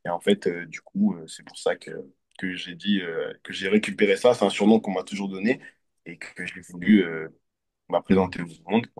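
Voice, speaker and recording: A man from Côte d'Ivoire, a hypnotist, talking in an earnest, reflective and halting way as an interview guest. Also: low-pitched, fairly even intonation, a little mellow, slight background noise. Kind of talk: casual interview conversation.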